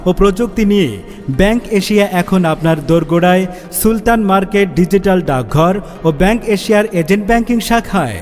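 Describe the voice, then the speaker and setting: A man reading a street loudspeaker advertisement in a loud, declamatory announcing manner. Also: sits high, lively intonation, fairly quick. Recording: long reverb with music bed. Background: music.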